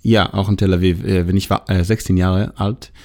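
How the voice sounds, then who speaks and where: A young man from Israel with an Israeli accent, a musician guest speaking halting German with grammar slips. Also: deep voice, fairly even intonation, creaky, a little mellow. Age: young adult.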